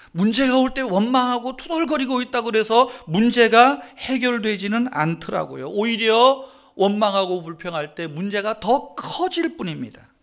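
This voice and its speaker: A male pastor preaching a sermon, chatting with the congregation through questions and swinging from loud proclaiming to hushed whispers. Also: high voice. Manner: conversational, asks the congregation questions.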